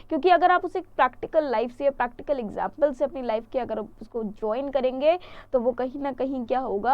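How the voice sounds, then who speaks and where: A woman's voice: high voice, no room sound, highs cut off. A young Indian woman teaching English vocabulary in an online exam-prep lesson, explaining and asking questions she answers herself. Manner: chatty explaining, asks questions and answers them.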